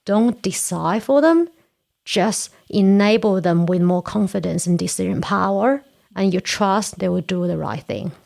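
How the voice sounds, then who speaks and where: A Korean-speaking woman in her forties from China, a Toastmasters area director, appears as a podcast guest in a casual interview. Her mid-range voice is gravelly and a little mellow, moving at a measured pace as she earnestly explains things step by step.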